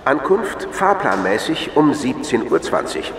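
A man's voice: medium pitch, very animated, a little slow. Male railway announcer, acted, formal and emphatic, distant and very roomy tannoy sound with light station noise. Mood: formal, alerting. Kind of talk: scripted public address announcement.

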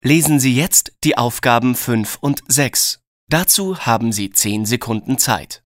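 A man giving scripted test instructions in a neutral, measured manner. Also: mid-range voice, no echo, studio quality. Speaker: exam narrator.

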